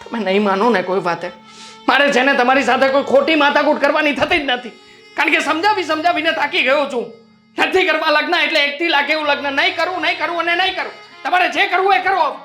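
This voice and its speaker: A man's voice: very high-pitched, fast talker, sharp tone. A man playing a stubborn young man who insistently refuses an arranged marriage, speaking with exasperation, with faint music in the background. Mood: exasperated. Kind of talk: family drama acting.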